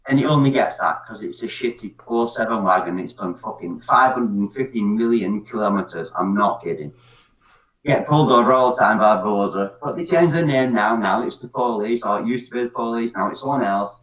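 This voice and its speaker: A drunk man rambles on, swearing and laughing, with his pitch swinging widely. He sounds distant from the mic in an echoey room. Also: fairly bright tone. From Scotland. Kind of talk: casual chat on an open call-in platform.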